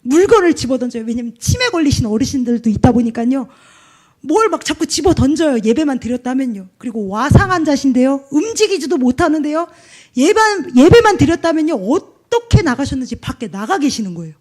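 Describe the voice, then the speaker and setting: A young woman preaches with a high, bright voice, telling her story earnestly and with strong emphasis. She leans hard on key words and acts out quotes as she speaks. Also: sing-song, brisk. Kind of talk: sermon testimony.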